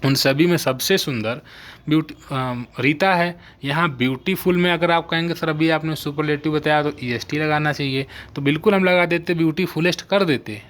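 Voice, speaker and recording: A man's voice: fairly high pitch, fairly bright tone. A man teaching English grammar in a live online exam-prep lesson. He explains step by step and keeps checking whether his students follow.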